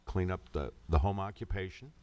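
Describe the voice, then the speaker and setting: A man chairing a public meeting, talking informally and haltingly through procedure as he pieces his sentences together. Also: low-pitched, a little mellow, dull audio. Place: indoor council meeting room. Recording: faintly noisy meeting room microphone.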